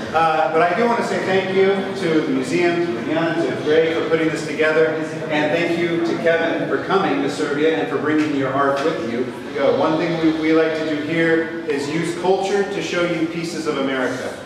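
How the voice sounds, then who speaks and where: Over noticeable background noise and strong room echo, a man talks at a moderate pace. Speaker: embassy cultural officer. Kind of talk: formal welcome speech. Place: hall. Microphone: camera far.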